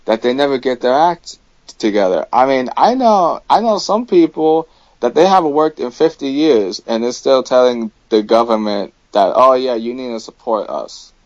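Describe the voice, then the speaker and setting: A man's voice: mid-range voice, a little mellow, no echo. A man from the United States, a guest in a casual conversation, who talks hesitantly with many fillers and gives blunt opinions. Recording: dull, dry lo-fi sound.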